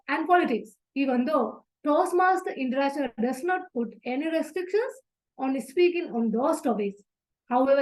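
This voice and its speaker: Woman, high voice, formal, measured, rule announcements, video call. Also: a little mellow, poor audio. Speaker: sergeant at arms of a speaking club meeting. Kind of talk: formal meeting opening, read announcements.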